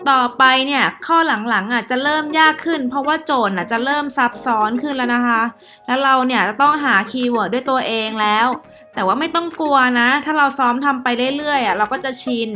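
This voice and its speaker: A young adult woman giving study tips in a casual tutorial vlog, chatty, with frequent soft polite sentence endings. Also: sits high. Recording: roomy echo with faint background music.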